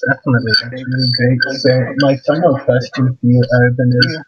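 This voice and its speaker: Male host, encouraging, monotone delivery, dull sound, loud crowd behind. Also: mid-range voice, brisk. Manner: friendly, encouraging. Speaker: podcast host. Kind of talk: interview questions. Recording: muffled with crowd noise behind.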